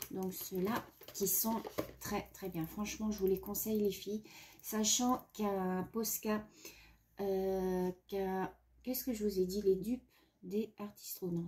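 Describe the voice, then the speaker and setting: A woman's voice: medium pitch, a little mellow, slight background noise. A woman vlogger chatting casually about art supplies, sniffling from a runny nose and hesitating often. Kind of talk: casual chat.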